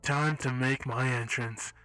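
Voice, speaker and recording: A male narrator voices a cool, menacing masked healer from a storybook. He speaks softly and without hurry, with quiet amusement in his voice. The recording is dry and close. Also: medium pitch, fairly even intonation, dry recording, soft background music, close to an everyday voice, poor audio. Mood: cool menace. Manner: soft, unhurried, quietly amused.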